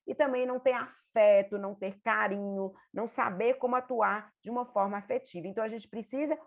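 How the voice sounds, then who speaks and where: A woman with a Brazilian Portuguese accent, a therapist and mother, giving an informal, animated teaching talk. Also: fairly high pitch. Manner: animated, acts out examples in a lively voice. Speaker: therapist and mother of an autistic child.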